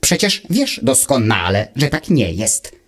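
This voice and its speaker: A man voicing a calm, pedantic male mechanical friend who lectures with cold, measured reasoning, in an audiobook reading of a fairy tale. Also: mid-range voice. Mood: offended.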